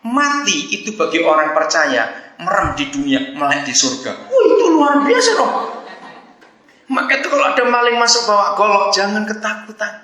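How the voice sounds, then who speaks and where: A man's voice: high voice, brisk, very echoey, low-quality recording. An older man preaching a sermon, telling stories with laughter and acting out the voices in quoted lines. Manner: animated storytelling with laughs and acted quotes. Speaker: pastor.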